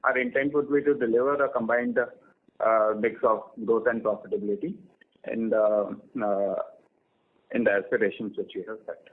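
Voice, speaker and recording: A man, a company executive giving measured, unscripted financial answers to analysts. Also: lowish voice, fairly even intonation. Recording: narrow phone-like conference audio.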